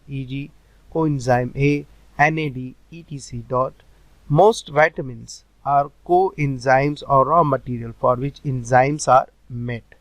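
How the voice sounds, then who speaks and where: Guy teaching bio, slow and careful, dry close sound, reads english lines extra slow. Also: medium pitch, no echo, rough recording. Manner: explains in Hindi-Urdu, reads English textbook lines slowly; asks and answers his own questions. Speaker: biology teacher. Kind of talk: recorded lecture over animations.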